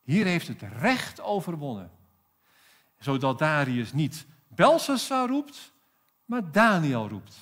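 A pastor with a South African accent preaching a sermon in a church, emphatic and full of rhetorical questions. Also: male voice, a little high, big pitch swings, takes it slowly, a bit bright.

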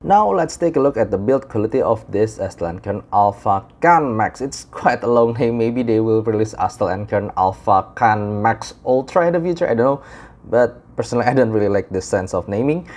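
A young man from Indonesia with an Indonesian accent gives a casual, unscripted product review in halting, explanatory English. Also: fairly low pitch, expressive, darkish tone. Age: young adult. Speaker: audio gear reviewer.

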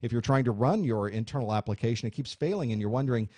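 A man teaching a computer course, explaining software settings in a clear, steady way while recording a screen tutorial. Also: mid-range voice, fast, no room sound. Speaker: IT instructor.

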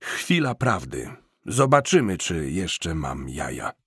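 A man voicing a gruff, grumbling gangster in an audiobook, with blunt, muttering street talk. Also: deep voice, sing-song, takes it slowly, fairly bright tone, no room sound, studio quality, exaggerated voice. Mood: brooding.

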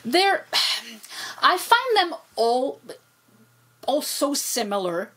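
Expressive woman, French native speaker. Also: high voice, extremely slow, husky. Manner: animated, expressive, repeats words when excited. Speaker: guest, poet and translator. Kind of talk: casual conversational interview. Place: home room with bookshelves. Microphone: video call.

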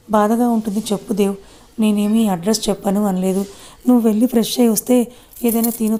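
A woman's voice: medium pitch, dark tone, close to an everyday voice. A woman voicing a worried young man who scolds and pleads with his friend.

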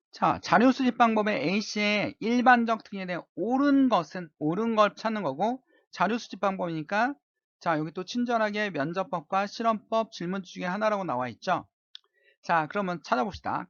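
A male high school social studies teacher giving an online lecture, keeps asking the class whether they follow. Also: a bit bright, dry recording, dull audio. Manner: keeps asking "right?" to check understanding.

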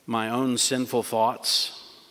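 A middle-aged man delivers a sermon from the pulpit in a mid-pitched, ordinary voice. He speaks earnestly and with emphasis, stacking repeated phrases. His words ring out into a church sanctuary with a long reverb. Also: level tone, slow, a bit bright. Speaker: pastor. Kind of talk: sermon and closing prayer.

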